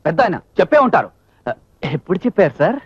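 An excitable young roommate with a high, lively voice. He talks fast and exclaims through the comic banter. The recording is dry and dull. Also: husky, no echo, exaggerated voice. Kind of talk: film comedy acting.

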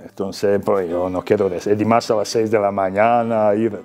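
A young Serbian man with a Serbian accent, speaking Spanish as a second language and giving a halting personal testimony full of repeated words. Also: lowish voice, little pitch movement, a little mellow. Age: young adult. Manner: halting, repeats words, non-native grammar. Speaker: testimony giver.

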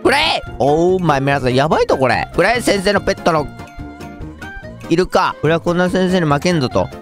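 Excitable young man playing a game. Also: a little high, fairly quick, soft background music. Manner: excitable, jokey, talks to viewers. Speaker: gaming YouTuber. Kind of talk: game commentary.

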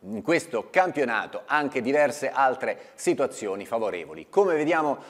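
A man's voice: mid-range voice, sing-song, normal speed, fairly bright tone, in a large hall. A man in his fifties hosting a studio sports report, speaking in long, formal sentences. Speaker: sports programme host. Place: indoor TV studio. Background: music.

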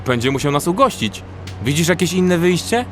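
An actor playing a protective, pragmatic young survivor in a horror audio drama, speaking practically and in control. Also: male voice, fairly high pitch, big pitch swings, moderate pace. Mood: terse, practical. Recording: music under the voice.

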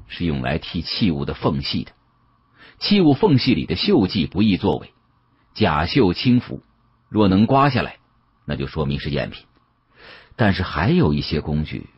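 A man narrating an audiobook as a dramatic storyteller, with an expressive, suspenseful delivery and a husky voice. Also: rumbling low. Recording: dull, muffled audio.

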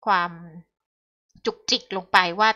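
A woman's voice: unhurried, bright, forceful tone, lo-fi sound. A woman commenting on the news in a talk show, polite at first and growing heated and emphatic.

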